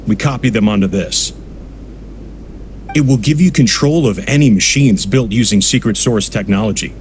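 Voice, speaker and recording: A man as a cold, mid-pitched villain boss. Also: darkish tone, a little hiss or hum, lightly acted. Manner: measured, formal, controlled. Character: cold, businesslike male villain boss, calmly threatening. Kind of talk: video game voice acting.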